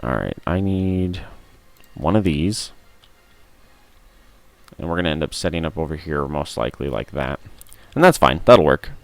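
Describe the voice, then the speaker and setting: A tired, hoarse man with a gruff, rough voice streaming a game, chatting and muttering to himself on a close mic. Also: very deep voice, lively intonation, moderate pace, long pauses, no room sound. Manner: mutters to himself while playing. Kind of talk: casual gameplay stream chat. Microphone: close studio mic.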